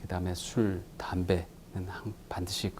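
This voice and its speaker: A middle-aged man, an orthopedic doctor, explaining treatment and stretching exercises in a calm, measured way as a studio guest. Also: low voice, slight background noise. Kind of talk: explanatory medical talk.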